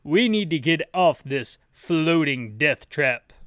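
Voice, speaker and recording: A man voicing a gruff, urgent male action veteran in dramatic video game dialogue. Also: a little high, animated, takes it slowly, fairly bright tone, no room sound, studio quality. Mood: loud, urgent.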